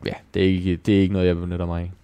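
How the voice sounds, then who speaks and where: A man from Jutland, a professional cyclist answering interview questions calmly and modestly, often restarting his sentences. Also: low-pitched, clean tone, no echo. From Jutland, Denmark.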